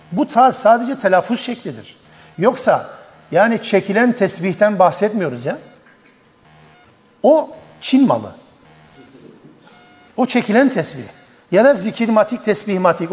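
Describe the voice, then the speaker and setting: Brief: male teacher, higher voice, emphatic sermon-style tafsir, reverberant hall. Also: darkish tone. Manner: emphatic, asks and answers own rhetorical questions. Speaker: Quran commentary teacher. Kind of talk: Islamic tafsir lecture.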